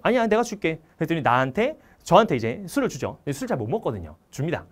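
Animated fast-talking male history teacher. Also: on the high side, husky. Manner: animated, acts out dialogue. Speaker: history instructor. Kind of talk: anecdotal storytelling talk.

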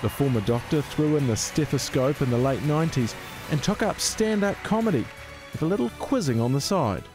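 NZ TV host, male, slightly high voice, upbeat, light music under. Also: animated, brisk. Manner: upbeat scripted link reading. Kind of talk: TV magazine presenting.

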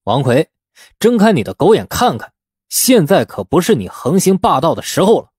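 Audiobook role: male reader as combative, hot-headed village man, loud and indignant, very animated pitch. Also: moderate pace, husky, no room sound, clean studio sound, heavily acted. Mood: angry, threatening. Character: hot-tempered village man quick to curse his elder. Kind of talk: audiobook character acting.

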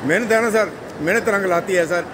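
A man's voice: high-pitched, brisk. A man with a Punjabi accent, vlogging on a phone as he walks through a busy exhibition hall and chats with people. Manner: chatty, greets people warmly in passing. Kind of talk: walk-around expo vlog chat. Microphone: handheld phone camera. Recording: loud background noise.

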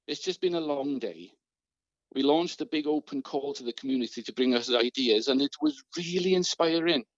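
A man acts a worried, earnest British events worker in a radio play. His hesitant speech moves widely in pitch. The sound is dry and a little dull. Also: no room sound. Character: anxious, earnest male events project worker. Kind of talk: radio drama. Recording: dry, slightly muffled.

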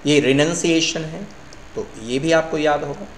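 A man's voice: fairly high pitch, measured pace. A middle-aged male English teacher explaining word meanings to his students in Hindi, asking and answering his own questions. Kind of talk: vocabulary lesson. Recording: echoey room, faint hum.

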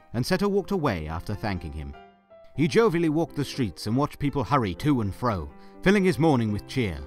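A man narrating a Christmas audio drama as a wry, theatrical storyteller. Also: fairly low pitch.

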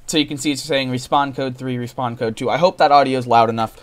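A man giving a casual software tutorial as host, recorded as a voice-over at his computer. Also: medium pitch, steady tone, fast talker.

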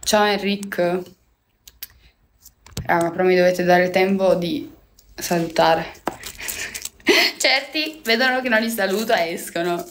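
A woman's voice: fairly low pitch, unhurried, pauses often, a little hiss or hum. A young woman, chatting casually with viewers on a phone livestream from home, swearing and laughing often. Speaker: livestream host. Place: at home indoors.

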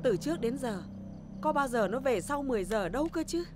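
A woman's voice: sits high, lively intonation, brisk. A fretful, worried grandmother. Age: older. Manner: fretful and pleading. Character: worried grandmother, anxious and tearful. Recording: television drama with clear background noise.

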